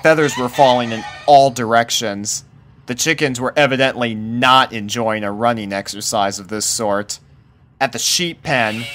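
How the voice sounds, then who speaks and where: A man's voice: mid-range voice, fairly bright tone. A man reading a scripted story aloud as the narrator of fan fiction.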